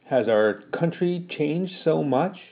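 A man's voice: fairly high pitch, animated, slow. A man voicing a blunt, scolding older country mother who talks in rustic dialect. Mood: stubborn. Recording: tinny phone-like sound.

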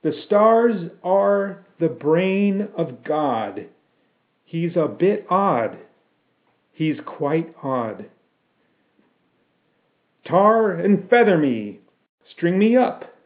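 A man voicing a metal automaton that speaks in slow, measured, singsong riddles, eerie and solemn, as in an audiobook. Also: on the high side, narrow, tinny audio, pitched above the performer's own voice.

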